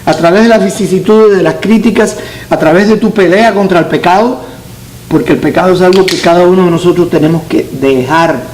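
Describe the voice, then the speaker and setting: Man, born in Cuba, pastor, Bible class, mellow tone, repeats key phrases. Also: sits high, brisk, slight background noise, poor audio. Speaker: pastor teaching Sunday school.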